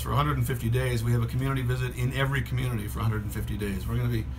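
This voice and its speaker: A man talks in a very deep, low pitch with fairly even intonation. Noticeable background noise runs under the recording. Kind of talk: guided tour explanation. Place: boat. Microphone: phone near.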